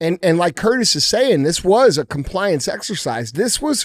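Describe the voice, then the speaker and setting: A man speaks in an animated tone at a high pitch with very wide pitch swings, in a dry, close sound with no echo. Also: very clean recording, silent background. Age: 40s. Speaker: podcast co-host. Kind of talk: casual chat. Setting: studio.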